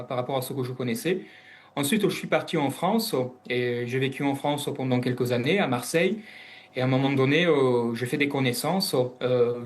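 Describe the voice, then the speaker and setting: Man from italy, interview guest, hesitant, lots of fillers, mid pitch. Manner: hesitant, many fillers and restarts. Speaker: guest analyst. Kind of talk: interview answers.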